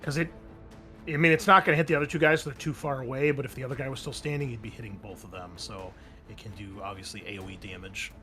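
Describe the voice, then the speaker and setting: A man's voice: mid-range voice, steady tone, fast talker, over music. A man running an online tabletop roleplaying game, explaining things in a casual way. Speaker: game master.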